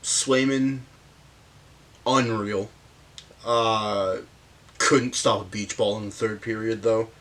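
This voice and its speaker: A man with a sick, hoarse voice hosting a casual hockey game breakdown, halting with frequent fillers and pauses. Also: fairly low pitch, fairly even intonation, a bit bright. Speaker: hockey commentary host. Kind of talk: casual sports breakdown monologue.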